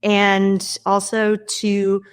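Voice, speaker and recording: A woman with a middle-range voice speaks as an interview guest. She answers in a clear, measured and explanatory way, like an expert walking through her work. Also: medium pitch, monotone. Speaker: policy scientist guest.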